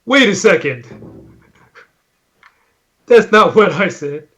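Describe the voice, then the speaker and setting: A man joins in casual banter as a player in a tabletop roleplaying game. His voice is noticeably high for a man. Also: animated, slow, pushed and bright.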